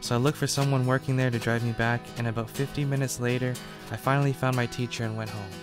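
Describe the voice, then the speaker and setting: A man speaking very fast, with music in the background. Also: medium pitch for a man, fairly even intonation. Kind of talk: personal story narration. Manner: monotone.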